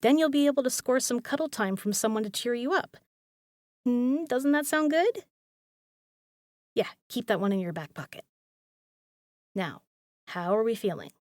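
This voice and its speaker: A woman's voice: medium pitch, no room sound, natural voice. Playful, bossy roommate played by a woman, close and dry. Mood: playful, reassuring, then gentle, coaxing. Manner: playful, emphatic, casually sweary, coaxing. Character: caring, bossy, teasing young woman roommate cheering up a friend. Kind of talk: intimate audio roleplay acting, casual and conversational.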